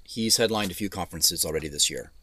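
An actor playing a weary, polite tech CEO dictating messages in short, measured, businesslike phrases. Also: male voice, low-pitched, sharp tone, slightly rough, full character voice.

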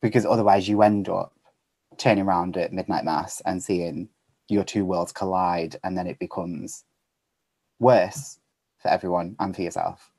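A man with a deep, husky voice appears as a podcast guest, chatting casually and animatedly like a storyteller at a moderate pace. His speech is filled with "like" and "kind of," and the recording has no echo.

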